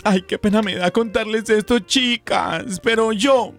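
A man voicing chatty, gossiping churchwomen with a Paisa Colombian accent, high and gushing in a sing-song way. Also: measured pace, gravelly, fairly bright tone, soft background music, heavily acted. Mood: confessing.

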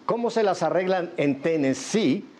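A man's voice: high voice, expressive, normal speed, darkish tone, a little hiss or hum. An older man hosting a Spanish-language radio interview, chatty and jovial. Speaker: radio host. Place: studio in Miami.

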